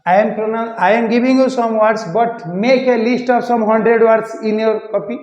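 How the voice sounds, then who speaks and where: A man with a high voice teaches an English pronunciation class, repeating each word slowly to show how it sounds. The sound is muffled and lo-fi, with a long echo from a large room. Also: steady tone, a little mellow.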